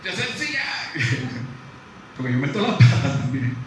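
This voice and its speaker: A male psychologist giving a lively, conversational lecture to dentists, often asking the audience questions. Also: medium pitch, measured pace. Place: large room with audience. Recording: very echoey hall from far off, faint noise.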